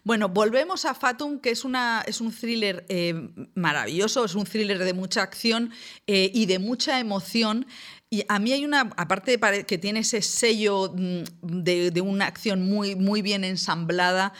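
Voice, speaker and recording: A woman's voice: medium pitch, normal speed, a bit bright. Give me a chatty woman interviewer. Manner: chatty, enthusiastic, with many fillers. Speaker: interviewer, host. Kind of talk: conversational interview.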